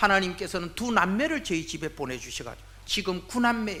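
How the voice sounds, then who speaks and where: A man speaks with lively intonation. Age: 60s. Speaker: church elder giving testimony. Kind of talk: testimony. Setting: church.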